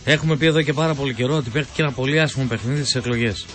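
A man co-hosting a sports talk radio show, calmly trying to make his point. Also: mid-range voice, soft background music. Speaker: co-host.

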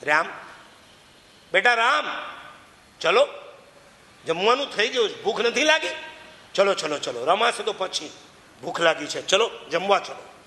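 A man voicing a gentle, loving queen mother who coaxes her sons to come and eat. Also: high voice, animated, unhurried, long pauses, heavily acted. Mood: coaxing. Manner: coaxing, affectionate calling. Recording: echoey hall, faint ambience.

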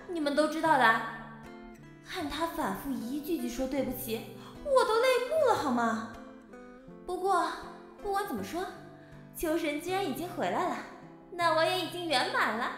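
A woman playing an excitable young online fan in an audio drama, gushing and dramatic. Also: high voice, moderate pace. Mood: satisfied. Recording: roomy, with music behind.

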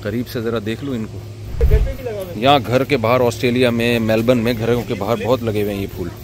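A man's voice: medium pitch, steady tone, brisk. A man from Pakistan giving casual, amused travel-vlog commentary outdoors at a railway station, chatting and thinking aloud as he walks. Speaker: vlogger. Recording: heavy outdoor background noise.

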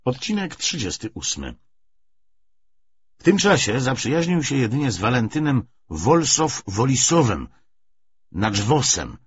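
A man narrates literary fiction in a fairly low, raspy voice. His intonation is lively and varied as he reads the scripted prose. The recording is somewhat muffled. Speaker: audiobook narrator.

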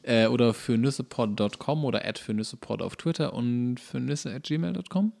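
A man co-hosting a casual podcast, signing off in a relaxed, mumbling way with fillers. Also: mid-range voice, normal speed, vocal fry. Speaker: podcast co-host.

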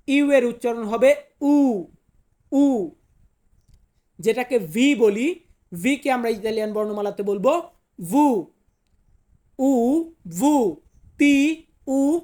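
A man's voice: very high voice, darkish tone. A man teaching a language lesson, repeating each word and asking then answering his own questions. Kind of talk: Italian alphabet lesson in Bengali.

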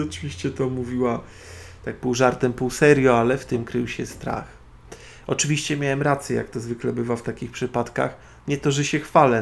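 A man's voice: mid-range voice, gravelly. A man hosting an internet radio show, speaking in a sardonic, opinionated monologue to his listeners. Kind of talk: solo spoken monologue.

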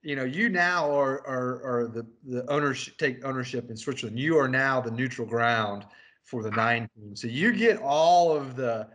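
A man's voice: medium pitch, normal speed, a bit bright. Chatty man telling a story. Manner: rambling storyteller, laughing often. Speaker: crew chief interviewing his race engineer. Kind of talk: casual chat interview.

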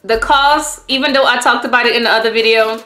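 A woman's voice: fairly high pitch, fairly even intonation, fast talker, bright, forceful tone, echoey room, faint music behind. A woman chatting casually to her viewers with braces on her teeth. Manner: chatty, addresses viewers as y'all. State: speaking with braces on. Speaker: vlogger. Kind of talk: casual talk to camera.

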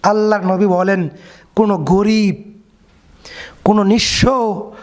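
A man preaching a sermon, reciting Arabic verses slowly and then explaining them in short repeated phrases with drawn-out exclamations of praise. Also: very high-pitched. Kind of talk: Bengali waz sermon.

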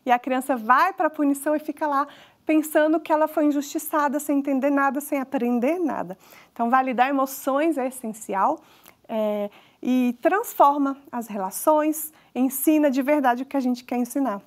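A woman's voice: high voice, moderate pace. A woman and mother with a Brazilian accent, giving a conversational lecture to parents and talking straight to the audience. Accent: Brazilian Portuguese. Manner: conversational, addresses audience directly. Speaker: parenting talk speaker.

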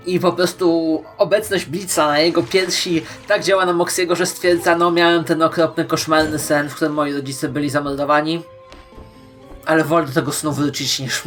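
A woman hosting online fan commentary, playful and emphatic, with dramatic pauses. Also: low voice. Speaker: YouTube host. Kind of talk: scripted fan-theory commentary to viewers.

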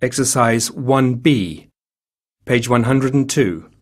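A man's voice: medium pitch, slow. A man announcing exercise and page numbers for a coursebook in a plain, matter-of-fact way. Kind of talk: reading track announcements.

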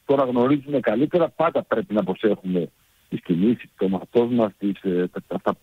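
A man who coaches a women's football team, answering in a hesitant, measured way with many fillers. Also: lowish voice, breathy edge, narrow, tinny audio.

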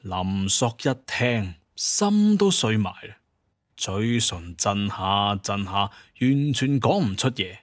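A man narrating a scripted story in colloquial Cantonese, with an expressive storyteller's delivery. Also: on the low side, slow pace, no echo, studio quality. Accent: Hong Kong or Guangdong Cantonese.

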